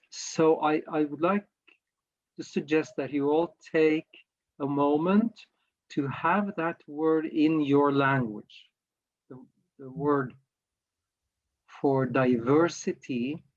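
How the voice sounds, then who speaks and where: A man's voice: on the high side, slow pace, darkish tone, muffled recording. A man from Norway, leading a workshop in a reflective, hesitant way and often searching for words. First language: Norwegian. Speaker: workshop facilitator. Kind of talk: slow reflective workshop talk.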